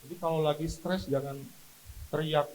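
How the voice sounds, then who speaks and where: A man's voice: on the high side, steady tone, normal speed, a little hiss or hum, low-quality recording. A man preaching a sermon as pastor at a church service, telling stories with emphatic delivery.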